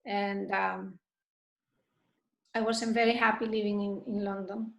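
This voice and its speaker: A middle-aged woman from Spain, answering questions thoughtfully after a dharma talk, with frequent pauses and restarts. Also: mid-range voice, little pitch movement, creaky, a bit bright. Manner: thoughtful, hesitant, many restarts. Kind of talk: group discussion answer. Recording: roomy echo.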